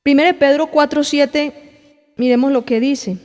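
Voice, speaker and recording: A woman's voice: high-pitched, steady tone, unhurried, a little mellow, big-room sound. A woman pastor, preaching a sermon to her congregation and acting out little scenes for them. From Colombia. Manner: addresses the congregation directly, acts out little scenes. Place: church hall.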